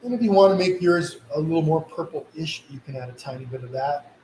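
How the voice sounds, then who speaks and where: A man hosts a casual painting lesson in a slightly sniffly, fairly high voice. He guides viewers in an easygoing, reassuring manner. The sound is quite roomy, with a little background noise. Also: a little fast, darkish tone. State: slight sniffles from a mild cold. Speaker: painting instructor hosting a live session. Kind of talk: casual live painting tutorial.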